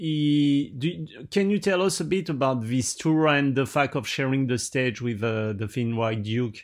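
With a French accent, a man at medium pitch speaks at a fairly slow pace with lively intonation and hardly any pauses. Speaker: interviewer. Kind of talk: interview; scripted narration. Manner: halting.

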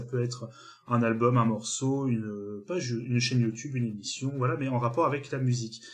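Somewhat breathy speech comes at a fairly quick pace with fairly even intonation and audible room echo. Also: man. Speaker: music podcast host. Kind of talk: casual chat.

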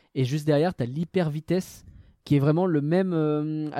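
The tone is dark and mellow, with fairly even intonation. A very clean recording keeps the background silent and the sound dry and close with no echo. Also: man. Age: 30s. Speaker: podcast co-host. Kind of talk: casual film review chat.

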